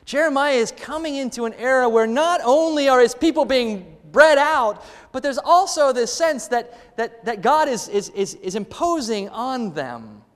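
Guy preaching in a church, high voice, talks to the crowd a lot, bit of hall echo. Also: measured pace, hardly any pauses. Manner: animated, conversational, asks the congregation questions. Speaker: guest preacher. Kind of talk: sermon.

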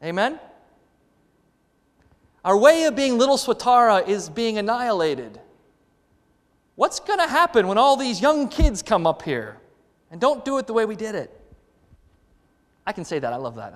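A man's voice: sits high, big pitch swings, normal speed, pauses often, in a large hall. A man preaching a conversational sermon as a guest in a church, asking the congregation questions.

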